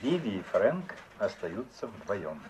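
A man's voice: lowish voice, sing-song, slow. A man giving scripted narration of stage directions for a radio play. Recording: noisy 1950s radio recording.

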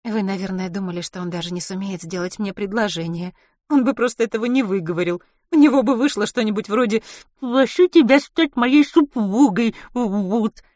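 A woman reading an audiobook and voicing a shy, wry eighteen-year-old girl who speaks hesitantly and teases gently. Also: medium pitch, moderate pace, dry recording, clean studio sound, voice pushed up, lightly acted. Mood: teasing.

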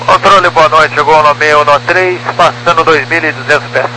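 A man's voice: on the high side, fairly even intonation, normal speed, pushed and bright. A Brazilian man speaking as an airline pilot over a cockpit headset radio, in exchanges that are partly casual. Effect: pilot cockpit headset radio transmission. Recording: noisy aviation radio with mains hum.

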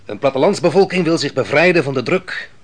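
A man's voice: fairly high pitch, animated, fairly quick. A man playing a proud, boastful and easily slighted army commander in a radio play, with declamatory, self-important delivery. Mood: proud, piqued. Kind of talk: Dutch radio play acting.

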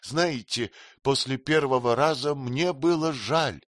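A man's voice: mid-range voice, takes it slowly, no echo, clean studio sound, voice pushed up, natural voice. A man voicing a scheming young queen who speaks in a pleading, coquettish and intense way. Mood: confiding.

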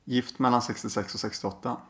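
A man's voice: mid-range voice, steady tone, a bit bright. A young man co-hosting a podcast from a living room, making dry, laid-back remarks in casual chat. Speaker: podcast co-host.

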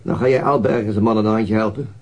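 An actor playing a tired, brooding police detective in a radio drama, understated and hesitant in manner. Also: male voice, lowish voice, fairly even intonation, fast talker. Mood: grumpy, tired. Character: tired, brooding male police detective leading a murder inquiry. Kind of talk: radio drama acting, naturalistic.

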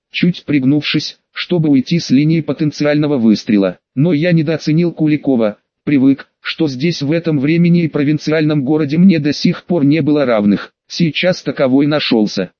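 A man reading a first-person audiobook with steady, tense storytelling. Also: on the high side, no echo. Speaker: audiobook narrator. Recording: slightly dull lo-fi dry recording.

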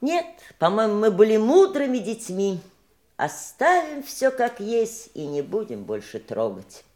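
An evasive, prickly woman in a Soviet audio play. Her mid-pitched voice is very animated, moving between hesitation and tart curtness with a theatrical delivery. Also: unhurried. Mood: reflective, evasive. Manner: hesitant, then curt and tart. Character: evasive, prickly woman guarding memories of past lovers. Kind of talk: Soviet audio drama stage acting.

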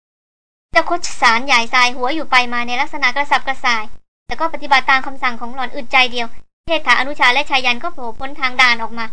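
Brisk bright-voiced woman narrator. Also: sits high. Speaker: audiobook reader. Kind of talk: scripted narration of an adventure novel.

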